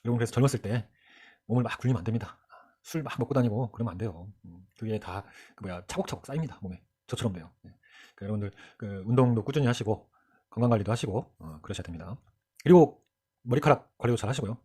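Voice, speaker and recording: This man in his forties teaches history in a casual, rambling lecture full of jokes and self-deprecating asides. His voice sits on the low side, dark-toned and husky, animated and quick. He comes from the Jeolla region, with a light North Jeolla Korean accent showing Chungcheong features.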